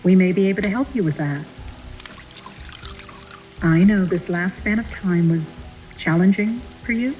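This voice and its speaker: An actress playing a courteous, enigmatic female attendant in an audio drama, with a gentle and knowing manner. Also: on the low side, unhurried, pauses often, soft background music, lightly acted, poor audio. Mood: soothing.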